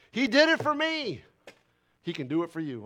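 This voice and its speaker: A man speaks in an animated tone with very wide pitch swings. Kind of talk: sermon. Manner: loud, animated.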